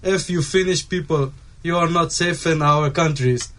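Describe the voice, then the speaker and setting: A man who speaks English as a second language, making an earnest appeal in a group discussion with halting phrasing. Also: a little high, a bit bright. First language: not English. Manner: halting, non-native phrasing. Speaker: asylum seeker activist.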